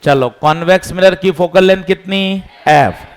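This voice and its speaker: A man teaching physics in class, calmly repeating each step and scolding students who chat. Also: high-pitched, moderate pace, clear, resonant tone. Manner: patient, repeats steps, scolds chatter. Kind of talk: classroom lesson.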